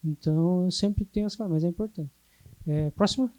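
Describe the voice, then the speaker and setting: A man teaching a hypnotherapy class in a calm, explanatory way. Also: sits high, brisk. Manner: calm, explanatory, sometimes acts out clients. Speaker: hypnotherapy instructor.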